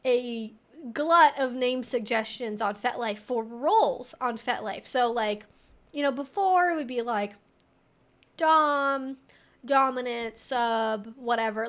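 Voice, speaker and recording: A woman with a high-pitched voice hosts a casual livestream. She talks in a conversational, emphatic way, thinking aloud as she responds to viewer comments. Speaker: livestream host.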